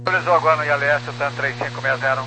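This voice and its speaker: A pilot talking over the radio, reading back controller instructions in clipped, routine phrases. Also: male voice, fairly high pitch, fairly even intonation, racing, sharp tone. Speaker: airline pilot. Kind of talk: radio read-back to air traffic control. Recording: noisy cockpit radio transmission.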